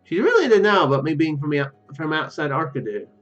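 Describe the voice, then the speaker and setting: A man giving casual, halting commentary as he plays through a game, musing aloud. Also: on the high side, very animated, a bit bright, lo-fi sound, faint music behind. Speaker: gaming video host.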